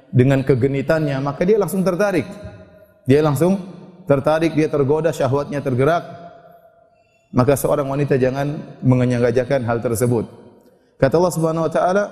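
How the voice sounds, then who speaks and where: A man preaches to a gathering of women, slowing down to chant scripture and then explaining it. His voice is warm and mellow, pitched a touch high. It rings with a long reverb, as if in a large hall. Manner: recites Arabic verses slowly then explains. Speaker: Islamic preacher. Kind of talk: religious lecture to women.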